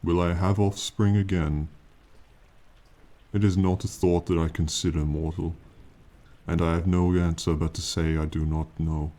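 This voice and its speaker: Against a soft backdrop of rain, a male performer plays an aloof, proud and ancient dragon, speaking to a mortal in a level, natural voice that is very deep and dark with minimal pitch movement. The delivery is slow, archaic and condescending, and the mood stays solemn and detached throughout this fantasy ASMR roleplay.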